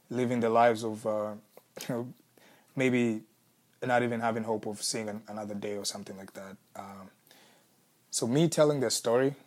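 A young man from Congo with a Kenyan accent, a musician answering interview questions in a thoughtful, searching way with restarts and soft laughs. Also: medium pitch. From Congo, raised in Kenya. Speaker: musician, former refugee.

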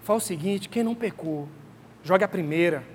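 High-voiced man preaching in an echoing hall. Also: fairly quick. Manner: conversational and emphatic, calls out to listeners. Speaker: pastor. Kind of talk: sermon. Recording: long hall reverb, faint background noise.

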